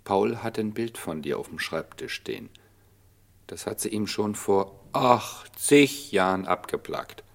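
A man presenting a radio feature, calmly explaining and reading passages aloud. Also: fairly low pitch, unhurried.

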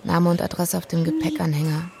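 An actress playing a controlled woman who brings bad news, speaking in a measured radio drama style. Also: on the low side, very animated, creaky, a crowd in the background. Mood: reflective. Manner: measured, deliberate delivery. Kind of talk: radio drama acting with inner narration.

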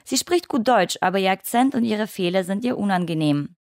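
A woman in her late twenties, from Russia, reading her own first-person essay as calm, measured, wry radio narration. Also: medium pitch, no room sound, studio quality. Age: late 20s.

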